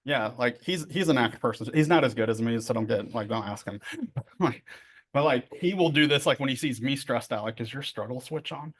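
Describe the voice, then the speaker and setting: A man's voice: mid-range voice, lively intonation, moderate pace. A middle-aged man giving a casual workshop lecture as a therapy trainer, chatty and joking, with many fillers and tag questions.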